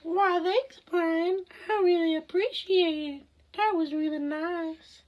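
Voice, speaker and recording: Young man doing a squeaky, slow-drawling Wild West cowboy, cheeky co-host. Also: steady tone. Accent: put-on Wild West drawl.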